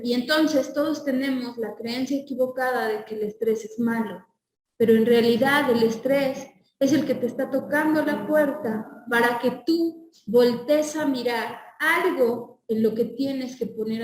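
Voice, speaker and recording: High-voiced teacher in an echoey room. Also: female voice, a little mellow, recorded from a distance, a little hiss or hum. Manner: asks the class questions and answers them herself. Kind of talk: online class lecture.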